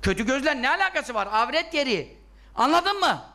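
A man's voice: very high-pitched, very animated, a little fast, sharp tone. A man giving a religious lesson in an emphatic, scolding way, full of rhetorical questions that he answers himself. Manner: rhetorical questions, acts out objections. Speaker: religious teacher.

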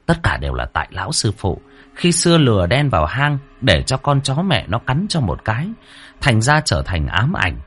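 A man narrating a scripted story with dramatic, expressive delivery. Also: mid-range voice, normal speed, slightly rough.

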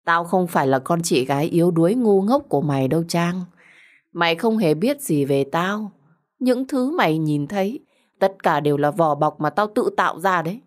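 A woman's voice: on the low side, expressive, moderate pace, natural voice. A woman voicing a cruel, treacherous young woman in an audio story, with a mocking, condescending and sarcastic manner. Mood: sarcastic, taunting.

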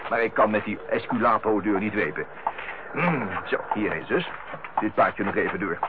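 An actor playing a lighthearted, teasing youngest brother in a Dutch radio play, with a jovial, bantering manner. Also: male voice, fairly low pitch, normal speed, natural voice. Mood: playful. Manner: jovial, bantering, chuckling way of talking. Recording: dull, noisy old radio play recording.

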